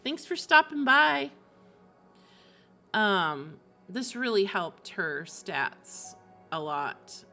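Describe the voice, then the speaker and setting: Bright-voiced woman streamer, unhurried. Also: medium pitch, big pitch swings, faint music behind. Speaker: game streamer. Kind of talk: casual livestream chat about games.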